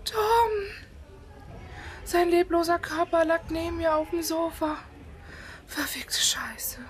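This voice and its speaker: A brash young woman in a horror audio drama. She sounds edgy and shaken, speaking bluntly in a very high voice. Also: takes it slowly.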